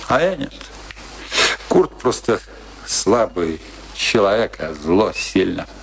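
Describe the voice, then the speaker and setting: An actor playing a middle-aged, wry, philosophizing husband in a bitter long marriage, in a Russian radio play with theatrical, musing delivery. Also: male voice, low-pitched, sing-song, takes it slowly, gravelly, slight background noise, exaggerated voice. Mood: musing, ironic. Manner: theatrical, musing, swinging between teasing and brooding. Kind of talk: Russian radio play acting, dramatic dialogue.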